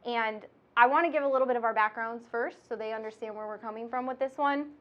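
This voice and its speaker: Talking fast on the high side, a nasal-voiced woman who instructs and hosts a podcast leads a casual teaching chat. She is bubbly and chatty and laughs a lot, all captured in lo-fi sound.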